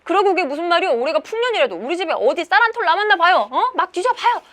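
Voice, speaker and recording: A woman reading aloud the lines of a defiant young farmhand who shouts angrily at his elders. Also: extremely high pitch, big pitch swings, racing, pitched above the performer's own voice, full character voice. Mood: indignant. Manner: shouting, indignant. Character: defiant young male farmhand, angry son.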